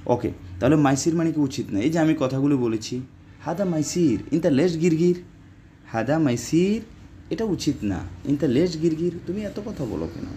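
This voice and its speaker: A man's voice: fairly high pitch, animated, warm tone, a little hiss or hum. Man teaching Arabic phrases. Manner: repeats phrases slowly, lectures and scolds viewers. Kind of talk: casual spoken lesson.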